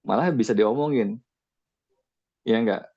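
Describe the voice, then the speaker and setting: A man's voice: on the low side, a little slow, breathy edge, dull audio. A man giving a casual spiritual talk to a group, conversational and full of rhetorical questions. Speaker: spiritual teacher.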